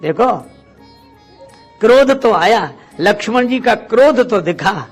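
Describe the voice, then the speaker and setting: A man's voice: high voice, lively intonation, takes it slowly, faint music behind. A man preaching a devotional Hindu discourse as a storyteller, posing rhetorical questions, acting out bits of dialogue and reciting verses. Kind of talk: devotional discourse retelling Ramayana episodes.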